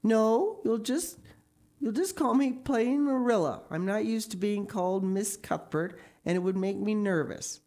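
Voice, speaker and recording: A woman's voice: medium pitch, expressive, warm tone, pitched above the performer's own voice. Woman playing a stern, no-nonsense older guardian. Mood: brisk. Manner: brisk, disapproving, no-nonsense.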